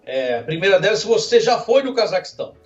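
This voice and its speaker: Jokey higher-voiced man, lo-fi line. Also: big pitch swings, quick pace, soft background music. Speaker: podcast co-host. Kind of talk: casual podcast chat.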